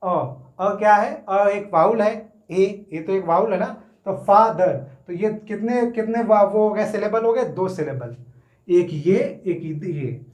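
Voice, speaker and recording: A man teaching English grammar in a casual Hindi lesson. He explains step by step, stretches words out slowly when sounding them, and keeps checking in with his students. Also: sits high, darkish tone. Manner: explains step by step, often checks in with "theek hai na". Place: room, writing on a board. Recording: echoey room.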